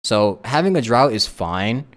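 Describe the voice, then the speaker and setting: A man's voice: medium pitch, big pitch swings, a little slow, a bit bright. A man streaming a casual live reaction, talking in a rambling way with lots of restarts and fillers.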